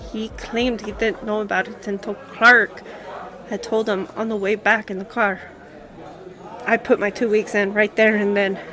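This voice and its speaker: A woman playing a Latina lawyer in an audio roleplay, telling of her past love with deliberate pauses. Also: mid-range voice, pushed and bright. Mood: frustrated, firm. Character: warm Latina lawyer reminiscing over drinks about past love. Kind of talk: scripted conversational audio roleplay.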